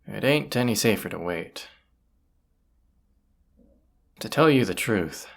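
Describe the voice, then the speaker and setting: A low, creaky, full character voice portrays a roguish bandit leader in a fantasy audio drama. Grumbling yet confident, he mutters to the listener in a folksy, sardonic manner, and his mood feels wary and resigned.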